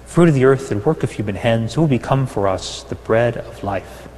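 Solemn priest with cathedral echo. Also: male voice, medium pitch, animated, a little mellow. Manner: measured, solemn reading of set prayers. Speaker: priest celebrating Mass. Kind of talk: liturgical prayer, partly chanted. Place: large church. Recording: long church reverb.

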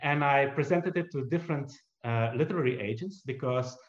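Mid-range in pitch, this Belgian man of Dutch roots responds conversationally as an interview guest, drawing on his work as an entrepreneur and author. Frequent restarts and self-mocking humor mark his halting delivery, captured in a roomy, slightly muffled recording.

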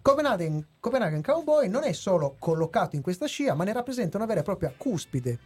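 Husky man reading a review. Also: sits high, a little mellow. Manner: reads a prepared review with hesitations. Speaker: podcast host. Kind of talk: casual chat and read review.

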